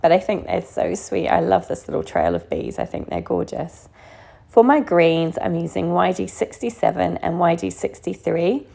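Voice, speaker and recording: Croaky, low-pitched woman giving a craft tutorial. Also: sing-song, normal speed, warm tone, poor audio. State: croaky voice from being sick. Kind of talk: casual craft tutorial voice-over.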